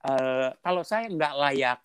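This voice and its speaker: A middle-aged man telling his conversion story in an animated, storytelling way, slipping into English now and then. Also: medium pitch, slow, a little hiss or hum. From Indonesia (Sundanese). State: coughing. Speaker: testimony guest. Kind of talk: personal testimony.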